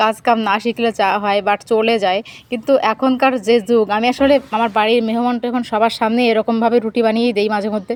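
With a dry, close sound and no echo, a woman speaks in a monotone, flat intonation at a fairly high pitch. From Bangladesh. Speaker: food vlogger. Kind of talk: casual vlog talk to viewers. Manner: eating while talking.

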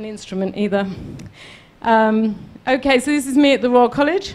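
Speaking with a London accent, a woman with a fairly high pitch talks at a moderate pace with ordinary pitch variation. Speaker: graphic designer; guest. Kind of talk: conference talk. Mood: warm, anecdotal. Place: hall. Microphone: handheld.

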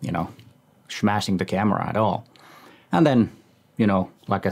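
Vocal fry at a fairly quick pace. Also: man. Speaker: camera reviewer. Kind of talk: product review talk. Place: home room.

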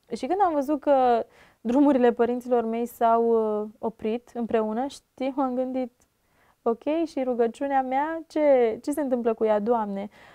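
A woman's high-pitched voice with a dark, mellow tone, ordinary pitch variation and a fairly slow pace against a quiet background. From Oltenia, Romania (Craiova); Oltenia, Romania. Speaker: guest sharing faith testimony; guest. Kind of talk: testimony. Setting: studio. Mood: reflective, emotional testimony. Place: studio. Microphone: lapel.

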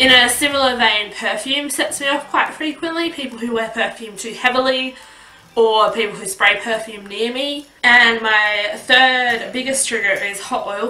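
A woman speaks with a high pitch. Audible room echo surrounds her voice. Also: ordinary pitch variation, moderate pace. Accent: Australian. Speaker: asthmatic video blogger. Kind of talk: casual talk to camera. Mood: earnest, persuasive. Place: home room.

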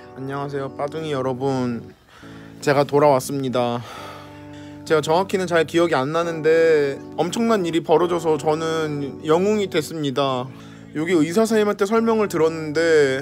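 Clear music plays in the background as the voice goes at a moderate pace with ordinary pitch variation. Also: man. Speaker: comedy vlogger. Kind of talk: casual vlog chat. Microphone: phone near.

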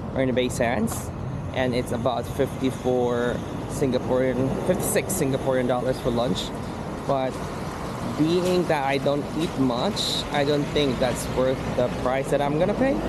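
Loud background noise accompanies a man talking at a fairly slow pace, captured dry with no echo. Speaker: travel vlogger. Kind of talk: casual vlog chat. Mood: cheerful, relaxed. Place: street. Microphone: lapel.

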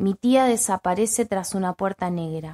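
A woman speaks at a fairly slow pace with a dark, mellow tone and ordinary pitch variation. The recording is very clean and silent behind her, with a dry, close sound and no echo. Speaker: narrator. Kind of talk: literary short story reading.

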